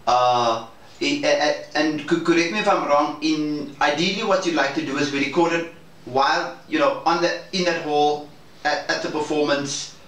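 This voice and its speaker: A man's voice: fairly high pitch, moderate pace, fairly bright tone. Hesitant man, distant in an echoey room. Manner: hesitant, careful, broken phrasing. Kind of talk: informal meeting discussion. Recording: very echoey, distant mic, faint noise.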